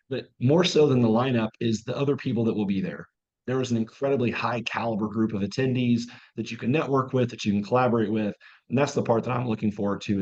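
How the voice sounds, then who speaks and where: A hoarse man, a mindset coach, talking as a guest in an upbeat, fluent way. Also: on the low side, a little mellow, dull audio. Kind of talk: casual interview chat.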